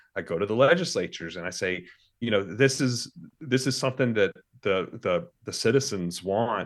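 A man with a Southern US accent and lively intonation, against a quiet background. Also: medium pitch for a man, moderate pace. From US South. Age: 40s. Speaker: lawyer. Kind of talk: interview.

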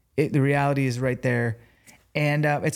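An unremarkable speaking voice from a man with an American accent, with ordinary pitch variation. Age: 40s. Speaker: podcaster, fitness coach, elk hunter. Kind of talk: casual chat.

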